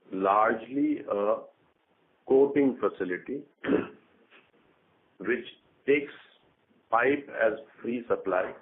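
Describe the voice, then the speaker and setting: A man answering as a company executive on an earnings call, speaking in a measured, halting way and often clearing his throat, over a phone line. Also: on the low side. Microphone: conference call phone line. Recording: narrow tinny phone line.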